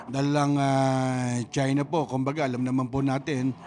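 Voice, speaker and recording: A man's voice: mid-range voice, flat delivery, normal speed, mellow, a little hiss or hum. A man in his thirties hosting a radio interview in a studio, asking polite, hedging questions. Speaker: radio host. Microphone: studio mic on stand.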